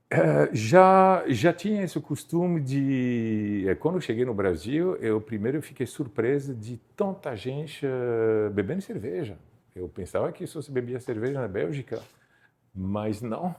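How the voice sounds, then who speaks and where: A man at a medium pitch and fairly slow pace, with very wide pitch swings. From Belgium (Brussels). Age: 50s. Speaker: photographer. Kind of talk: interview. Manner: halting, many fillers.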